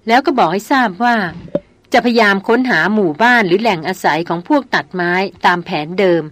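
A woman narrating a novel as an audiobook in a measured, even storytelling manner. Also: mid-range voice, dry recording.

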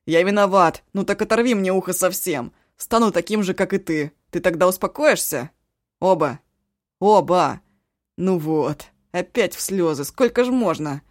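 A woman voicing a sly, clownish young man who pleads loudly and theatrically. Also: sits low, steady tone, moderate pace, dry recording, clean studio sound. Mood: loud pleading. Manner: wheedling, loud and theatrical.

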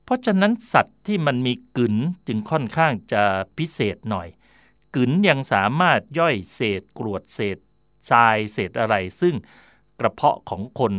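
A man's voice: mid-range voice, big pitch swings, normal speed, fairly bright tone, no room sound, studio quality. Chatty man explaining word origins. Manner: chatty, digressive, with fillers and self-corrections. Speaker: radio host.

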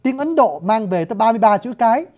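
Talking fast with lively intonation at a medium pitch, a lecturer on scripts and languages explains things at length and often speaks straight to listeners. The audio sounds dull.

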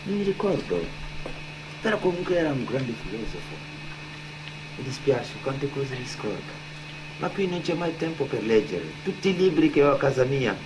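An actor playing an earnest, philosophical immigrant labourer in radio theatre, with an insistent, expressive delivery. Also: male voice, mid-range voice, normal speed, close to an everyday voice. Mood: weary, resigned. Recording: faint background noise.

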